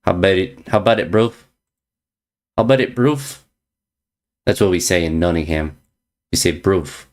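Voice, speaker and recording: Low-voiced guy streaming chess, joking around w chat, teasing, keeps repeating slang bits. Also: animated, normal speed. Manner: playful teasing, jokey slang, repeats phrases. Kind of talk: casual chat reading viewer messages.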